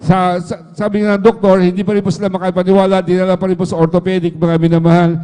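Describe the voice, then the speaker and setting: Middle-aged man, church testimony, high voice, dark tone, echoey church hall livestream. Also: level tone, fast, clean tone. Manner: fills nearly every phrase with a repeated address to the listeners. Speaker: church member giving testimony.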